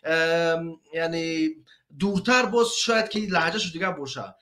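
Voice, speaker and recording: Bright, high-voiced Tajik caller. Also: male voice. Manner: hesitant, with fillers and restarts.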